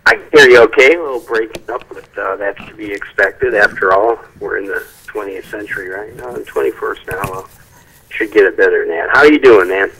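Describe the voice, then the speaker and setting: A man's voice: fairly low pitch, brisk, vocal fry, pushed and bright. A man on a speakerphone call, chatting casually as an interview guest, rambling a little and restarting his sentences. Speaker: guest songwriter. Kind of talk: phone-in interview chat. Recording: phone line, breaking up.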